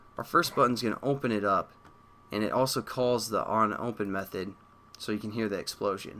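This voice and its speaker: With a bright, sharp tone, a man speaks fairly quickly at a medium pitch and fairly even intonation. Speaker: programming tutorial teacher. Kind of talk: screencast coding tutorial. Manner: fast; casual with many fillers.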